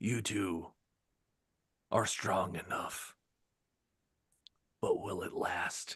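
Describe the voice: A man uses a raspy, put-on character voice. He goes very slowly, with long, frequent pauses. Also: fairly low pitch for a man.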